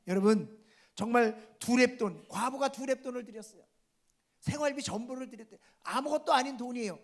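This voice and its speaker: A male pastor preaching a sermon, appealing to the congregation again and again. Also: extremely high pitch. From South Korea.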